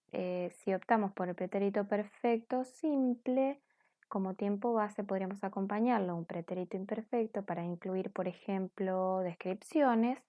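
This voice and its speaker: A woman's voice: mid-range voice, warm tone, no room sound. A woman teacher going over corrected grammar exercises in a patient, explanatory way, often checking in with her students. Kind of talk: recorded class correction lesson.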